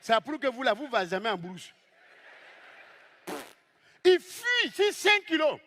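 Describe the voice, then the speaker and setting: Acting out the scenes with lively exclamations, a male stand-up comic performs a funny story. He speaks at a measured pace in a very high voice, with a little hiss or hum in the background.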